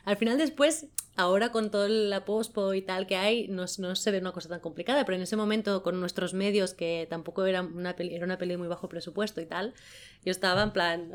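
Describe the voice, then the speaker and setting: A woman from gives an interview as a guest. She speaks colloquially at a medium pitch, telling stories in an animated, spontaneous manner. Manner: animated storytelling, colloquial, acts out quotes. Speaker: guest, film director of photography. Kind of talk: casual interview chat, anecdotes.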